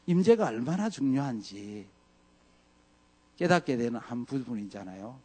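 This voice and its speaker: A man preaching a sermon as pastor, swinging from loud peaks to hushed lows and acting out scripture quotes. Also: sing-song, moderate pace. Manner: acts out scripture quotes in dramatic voices.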